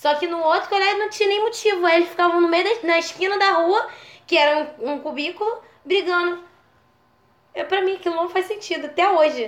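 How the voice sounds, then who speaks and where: A woman with a Brazilian accent, extremely high pitch, an animated tone and a fairly quick pace. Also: ordinary pitch variation. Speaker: podcast co-host. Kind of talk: casual chat. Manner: animated, laughing often.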